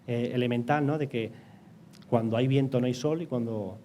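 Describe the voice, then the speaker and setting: Mellow-voiced Castilian man explaining, some background noise. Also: medium pitch, moderate pace. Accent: Castilian Spanish. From Castilla-La Mancha, Spain. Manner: hesitant, repeats words as he explains. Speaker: interview guest, energy company project director. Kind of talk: explanatory interview answers.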